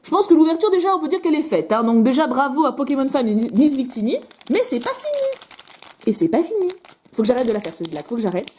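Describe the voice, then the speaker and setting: Opening cards on camera, this French host keeps up a casual, bubbly chatter. Her pitch is lively, and she pokes fun at herself with rapid little asides.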